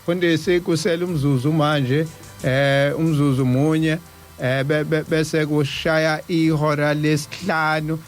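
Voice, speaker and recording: Halting South African male radio host, higher-pitched. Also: level tone. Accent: South African Zulu-speaking. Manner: halting, stammering over repeated syllables. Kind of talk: casual live radio talk. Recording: music behind the voice. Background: music.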